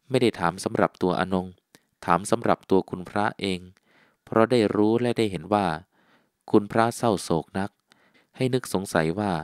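A man reading as a soft-spoken devoted young woman. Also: fairly low pitch, smooth, no echo, clean studio sound, close to an everyday voice. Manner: soft, gentle and sweet. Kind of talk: audiobook dialogue reading.

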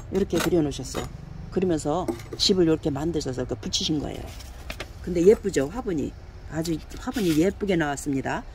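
Here a woman with a fairly low, darkish voice runs a casual online showcase of her handmade plant pots. Chatty and full of pointing words, she displays and measures each pot while urging viewers to place orders. There is slight background noise.

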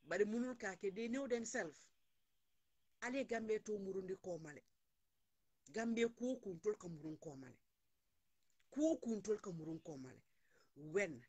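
A woman's voice: mid-range voice, a little mellow, breathy edge. A woman in her forties hosting a phone live stream, talking heatedly and repeating lines for emphasis. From Gambia. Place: indoors, small room, plain wall. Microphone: phone at arm's length.

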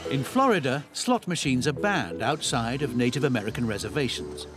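A man narrating a documentary in a measured, storytelling voice. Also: mid-range voice, big pitch swings. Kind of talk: scripted narration. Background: music.

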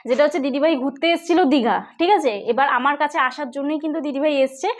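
A tech channel host with a West Bengal accent talks fast in a high voice through a casual tutorial vlog. She explains things chattily and keeps checking in with her listeners.

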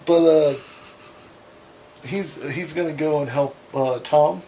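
A man's voice: fairly high pitch, slow pace, dark tone. A man hosting a podcast, riffing in casual, profane comic banter. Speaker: podcast host. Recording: clearly noisy background.

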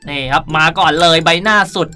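Young male, bright sharp tone, playful gaming host, casual tutorial delivery, music in the background. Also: a little high, brisk. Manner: playful, animated, uses cutesy polite sentence endings.

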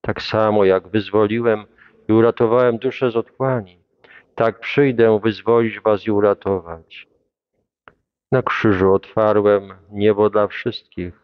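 A man reading a devotional Passion text aloud in a solemn, measured, reverent way. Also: lowish voice, clean tone, no echo, highs cut off.

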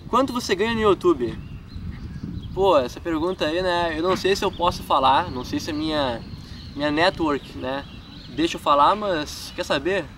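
Chatting casually through fan questions in his park vlog, this young Brazilian gaming YouTuber has a southern gaúcho accent from Rio Grande do Sul and fills his talk with tags and self-deprecating laughs. His voice is a little high, lively in intonation, at normal speed. The camera mic is a few feet away in the wooded park, so outdoor noise comes through.

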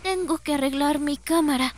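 A woman with a Latin American Spanish accent voicing a timid, sad, hesitant young boy in an animated horror short. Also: high-pitched, normal speed, slight background noise, natural voice. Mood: uneasy.

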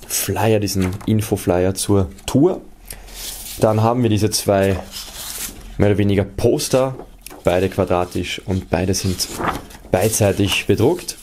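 A man presents an unboxing in a fairly low voice with plenty of vocal fry. He talks casually to viewers, describing things methodically and in order. A faint layer of ambient noise sits behind him. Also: dark tone. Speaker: unboxing video host. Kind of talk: casual product showcase commentary to viewers.

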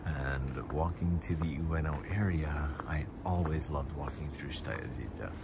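A man hosting a casual walking livestream outdoors, answering viewer questions in a relaxed, chatty way. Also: extremely low pitch, a little slow. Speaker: vlogger and livestream host. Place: outdoors on city streets. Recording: street noise behind the voice. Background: street ambience and passing vehicles.

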